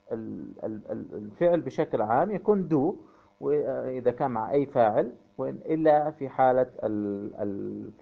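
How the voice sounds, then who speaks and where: A man teaching a language lesson, repeating each example phrase slowly and deliberately for his learners. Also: medium pitch, vocal fry. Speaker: English teacher. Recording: tinny phone-like audio with mains hum.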